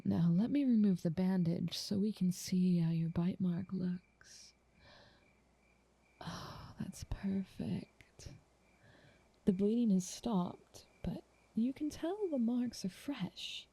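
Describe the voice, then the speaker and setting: A woman voicing an ancient, motherly vampire in an ASMR roleplay, soft, half-whispered, doting and possessive, speaking in an unhurried, genteel way. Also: mid-range voice, slightly rough, dry recording. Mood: tender, possessive.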